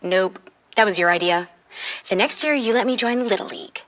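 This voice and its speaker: A woman's voice: mid-range voice, a little fast, fairly bright tone, natural voice. A woman playing an earnest, eager fifteen-year-old girl from the future in an audio drama, insistent and persuasive. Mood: matter-of-fact, persuasive.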